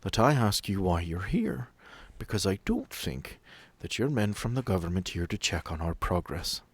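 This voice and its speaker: A man's voice: deep voice, sing-song, normal speed, husky, dry recording, exaggerated voice. A man voicing a stern, protective female sanatorium caretaker in a tabletop game, speaking in a formal, wary way. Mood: guarded.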